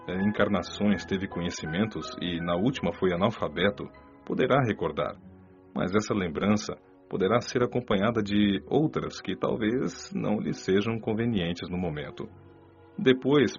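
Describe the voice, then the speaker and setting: Low-voiced patient spirit mentor. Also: male voice. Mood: patient, instructive. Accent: Brazilian. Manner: didactic, measured explaining. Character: kindly male spirit mentor, patient, wise, instructive. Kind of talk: radio drama acting. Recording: lo-fi band-limited audio, music behind. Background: music.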